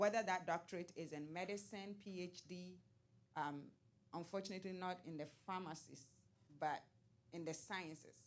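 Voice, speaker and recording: The speaker has an African accent. Long pauses come often. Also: woman, fairly low pitch for a woman, fairly even intonation, moderate pace. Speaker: laboratory scientist panelist. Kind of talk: panel talk.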